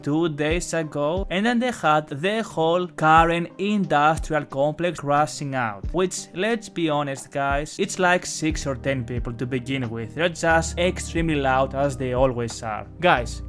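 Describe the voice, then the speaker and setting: A man's voice: fairly high pitch, expressive, unhurried, hardly any pauses, soft background music. A man with a Greek accent giving a sarcastic, heated commentary on gaming news. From Greece. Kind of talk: opinionated commentary vlog.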